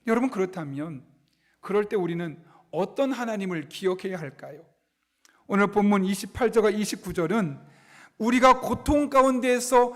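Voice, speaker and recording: A male pastor with a very high voice preaches a Sunday sermon in a church sanctuary. He keeps putting rhetorical questions to the congregation and leads them through a unison scripture reading.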